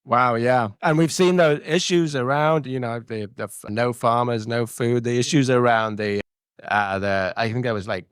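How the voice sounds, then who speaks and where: A man's voice: medium pitch, fairly even intonation, normal speed, smooth, no echo. Male interviewer, affirming casual questions, dry recording.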